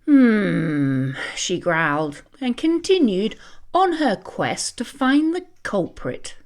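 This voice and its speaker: A woman narrating a children's storybook in a theatrical, expressive read-aloud style. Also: fairly high pitch, slow pace.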